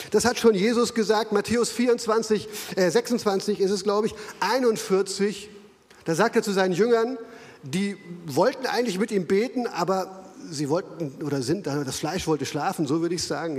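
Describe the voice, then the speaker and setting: This man has a high pitch and an animated tone. His intonation is lively, and his pace is fairly slow. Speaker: preacher. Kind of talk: sermon in church, mixing jokes with Bible teaching. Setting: church with live congregation. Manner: animated, humorous, conversational; direct and earnest when addressing the congregation.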